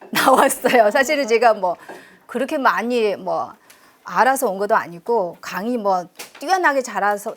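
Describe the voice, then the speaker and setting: A middle-aged woman from China with a Chinese accent in Korean, lecturing chattily and self-deprecatingly, quizzing her audience and using many fillers. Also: medium pitch. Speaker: university professor giving a public lecture. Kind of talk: public history lecture. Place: lecture room.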